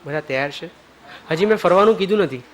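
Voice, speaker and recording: Guy with a high voice running a forgiveness session at a retreat, keeps asking everyone if it's clear, switches into english bits. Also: expressive, fast talker, slight background noise. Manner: drops soft and low when leading prayer. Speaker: spiritual teacher leading a retreat. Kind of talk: guiding a group forgiveness ritual.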